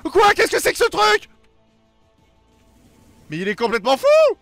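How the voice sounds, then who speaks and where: A young man giving excited let's play commentary, exclaiming and talking to himself as he reacts. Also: very high voice, a little slow, gravelly, no echo, soft background music. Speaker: gaming video host.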